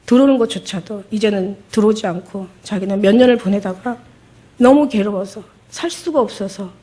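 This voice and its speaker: A woman's voice: medium pitch, dark tone. A middle-aged woman pastor giving an emotional testimony sermon, acting out the voices in her story.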